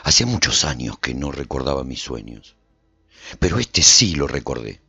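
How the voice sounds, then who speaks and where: A man with a very deep, husky voice narrates a radio drama, his pitch rising and falling with lively expression. The recording is dry and dull, with faint music underneath. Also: normal speed, no echo. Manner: expressive storytelling.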